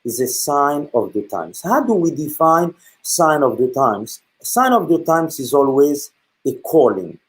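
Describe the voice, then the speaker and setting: A middle-aged man from Haiti, a Catholic priest speaking earnestly about faith, pausing often and filling gaps with "uh". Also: fairly high pitch, big pitch swings, low-quality recording. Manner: earnest, with many pauses and fillers. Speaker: guest speaker. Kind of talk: reflective talk on faith.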